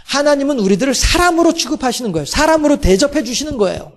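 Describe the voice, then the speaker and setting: A man pastor giving a sermon, asking rhetorical questions and slowing down to softly voice quoted words. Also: very high voice, lively intonation.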